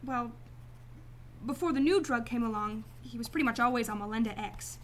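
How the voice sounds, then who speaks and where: A woman playing a guarded, emotionally detached client in a radio drama, speaking formally and deliberately. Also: fairly high pitch, a little hiss or hum, lightly acted. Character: cool, detached female client, guarded murder victim's sister.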